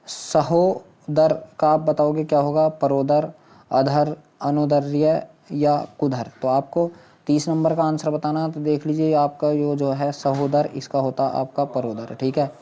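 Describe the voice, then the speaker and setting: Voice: medium pitch, level tone, measured pace, warm tone. An exam coaching teacher walking students through quiz questions and answers, often repeating and asking questions before answering them. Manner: repetitive, question-and-answer explaining to viewers.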